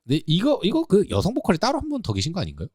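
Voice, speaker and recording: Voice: mid-range voice, huge pitch swings, very fast, darkish tone, breathy edge, dry recording, studio quality. A podcast co-host in casual chat, reacting with curiosity and laughing often.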